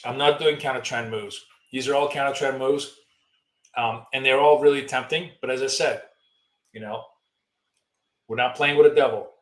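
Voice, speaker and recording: Hoarse guy rambling thru a live trading stream, mid pitch, kinda echoey room. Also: fairly even intonation, normal speed, long pauses. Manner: rambling, casual, answers viewer questions. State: hoarse, losing his voice. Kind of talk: live-stream market commentary.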